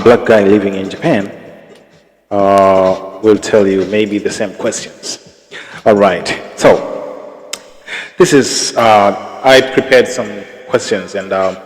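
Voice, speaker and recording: Slow-talking man in an echoey hall. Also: lowish voice. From Tanzania. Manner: unhurried, many pauses and fillers, chuckles at his stories. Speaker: vlogger. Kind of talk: casual talk to camera. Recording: long hall reverb, faint music.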